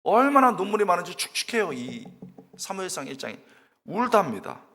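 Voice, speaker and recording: His high voice swings widely in pitch as the middle-aged guest pastor preaches briskly to a congregation in a church sanctuary, with a long reverb tail. He tells stories, puts questions to them directly, and shouts and wails while acting out a tearful prayer of his own.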